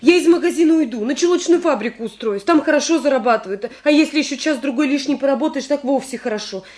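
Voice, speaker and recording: An actress playing a soft, pleading daughter. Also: female voice, high-pitched, fast, lightly acted. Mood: earnest. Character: adult daughter, gentle and stubbornly refusing. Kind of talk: Soviet radio play acting.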